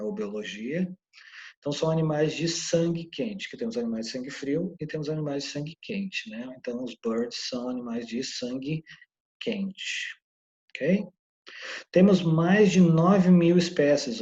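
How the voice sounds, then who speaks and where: A man's voice: medium pitch, darkish tone, lo-fi sound. A male English teacher gives a recorded online lesson, explaining step by step and often checking in with his students.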